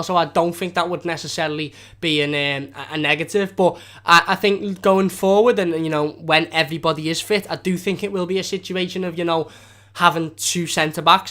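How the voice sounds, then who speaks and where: A man's voice: high voice, a bit bright. A young man with a strong Scouse accent, hosting a fan channel live stream in casual, rambling chat with frequent restarts. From Liverpool area of England.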